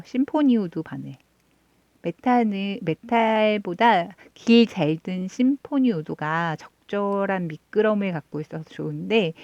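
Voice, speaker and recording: A woman hosting a knitting channel, chatting casually and rambling through stories in a soft, low-key voice as she knits. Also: dry recording, muffled recording. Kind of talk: casual chat while knitting.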